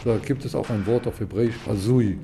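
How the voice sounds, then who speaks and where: A man in his seventies with a low, gravelly voice and a dark, mellow tone. He is from Israel and explains things in a measured way as a guest in an interview, with faint music behind him. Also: slight background noise. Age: 70s. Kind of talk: casual interview talk.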